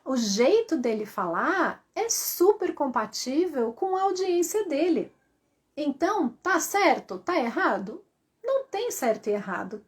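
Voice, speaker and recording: A woman voice coach giving a lively live-stream lesson, asking her viewers rhetorical questions. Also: high-pitched.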